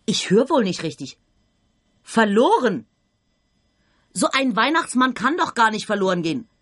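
An actress playing the bossy female head of a Santa-hire agency, brisk and commanding. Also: a little high, very animated, fairly bright tone, exaggerated voice.

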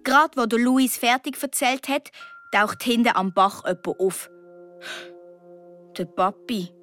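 A woman's voice: fairly high pitch, takes it slowly, fairly bright tone, soft background music. A woman with a Swiss German accent narrating a children's story in the first person as a young girl, earnest and childlike. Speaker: audiobook narrator.

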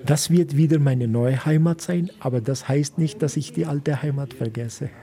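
A man from India, a priest, speaking German as a second language in a radio interview, halting and searching for words. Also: medium pitch, dark tone. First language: not German.

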